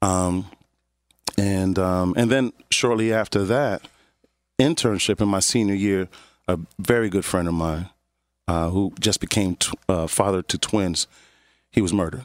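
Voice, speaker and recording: A man's very deep, low voice with an American accent, at a fairly slow pace with long, frequent pauses and ordinary pitch variation, in a very clean recording with a silent background. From Philadelphia. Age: 40s. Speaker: city council candidate. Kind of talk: interview. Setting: studio.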